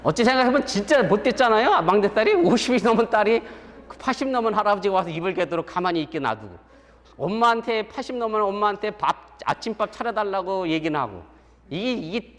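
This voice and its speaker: Chatty middle-aged pastor in a reverberant hall. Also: male voice, high-pitched, lively intonation, a little fast, fairly bright tone. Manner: chatty, acts out quoted voices, chuckles at his own stories. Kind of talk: conversational sermon with storytelling. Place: church sanctuary. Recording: long church hall reverb.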